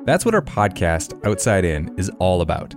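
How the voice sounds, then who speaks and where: A man's voice: deep voice, sing-song, normal speed, vocal fry. A man hosting a podcast, reading a scripted promo in a playful, conversational way. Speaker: podcast host. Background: music.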